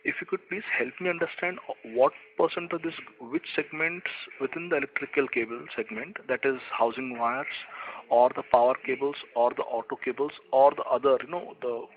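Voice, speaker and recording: A man, an analyst asking long, polite questions over a conference-call phone line that keeps breaking up. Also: medium pitch. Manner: polite, asks long winding questions with many sirs. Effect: muffled conference-call phone line. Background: background disturbance on the line.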